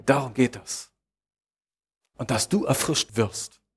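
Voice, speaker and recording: A man preaching a sermon as pastor of his congregation, measured, with rhetorical questions and repeated phrases. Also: mid-range voice, breathy edge.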